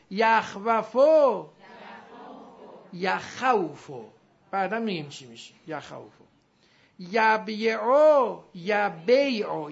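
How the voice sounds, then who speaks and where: A male teacher giving a classroom grammar lesson, drilling his students and drawing out example words slowly. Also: sits high, vocal fry. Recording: dull lo-fi recording.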